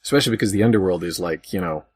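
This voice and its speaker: A man's voice: sits low, racing, a little mellow, slightly rough, no echo. A man hosting a casual panel discussion as moderator, talking in a rambling, wry, good-humored way. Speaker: podcast host and moderator. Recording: hobby podcast with furnace hum. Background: noisy furnace hum.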